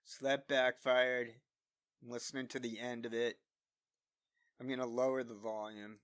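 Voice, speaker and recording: A man's voice: mid-range voice, level tone, normal speed, a bit bright, no echo. A man talking to himself on a solo vlog, his voice gone scratchy from singing, self-deprecating and thinking aloud. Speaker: solo vlogger. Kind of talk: unscripted rambling between singing attempts. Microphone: studio-quality microphone.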